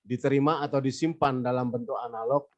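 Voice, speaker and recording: A man's voice: mid-range voice, steady tone, brisk. Man with a cold reading legal rules. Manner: reads formal legal text, says next slide between points. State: has a cold. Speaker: presenter at a weekly election supervisory discussion. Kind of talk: reading procedural slides aloud in a discussion.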